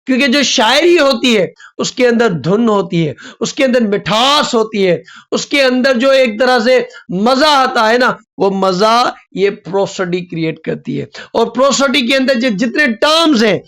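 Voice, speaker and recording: A man teaching a lesson on poetic rhythm, drawing out his example words slowly. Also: very high-pitched, expressive, a bit bright. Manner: drawn-out stressed example words. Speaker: literature teacher. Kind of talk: explanatory lesson.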